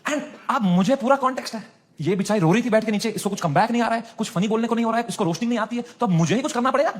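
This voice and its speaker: A male stand-up comedian, telling a story on stage in lively, code-switching style. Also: high voice, background noise. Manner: animated, switching between Hindi and English. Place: live comedy stage with audience.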